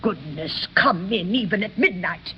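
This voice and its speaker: A woman's voice: mid-range voice, expressive, measured pace, a little hiss or hum, close to an everyday voice. A woman playing a fretful old housekeeper, chattering anxiously in a 1930s radio drama, on a muffled old broadcast.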